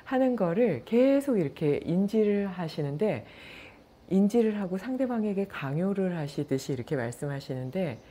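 A middle-aged woman, a yoga and meditation teacher, talking casually and calmly, telling stories and acting out what people said. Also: medium pitch, moderate pace, breathy edge. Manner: anecdotal, calm, with acted-out quotes. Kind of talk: casual talk to viewers.

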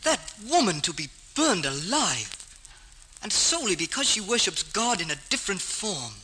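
Young deposed king: impassioned, imperious, theatrical radio drama, sharp forceful tone, lively intonation. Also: high voice, moderate pace, faint music behind, heavily acted, poor audio. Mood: horrified, resolute. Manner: imperious, theatrical, archaic speech. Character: proud, impassioned young exiled prince turned king. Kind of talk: old radio drama acting. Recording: hissy old radio recording.

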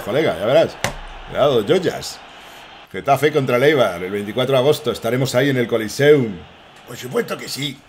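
A man with a Spain Spanish accent streaming live gameplay commentary, joking and excitable with swearing banter. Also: medium pitch, a little hiss or hum. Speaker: gaming streamer.

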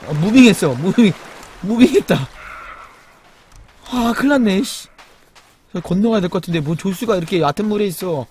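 Young male game streamer, high and very animated, easily spooked, talks to his chat, light background hiss. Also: a little fast, long pauses. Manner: jumpy, exclaims loudly when startled, then mutters low; chats with viewers and reads the chat. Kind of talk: live game commentary.

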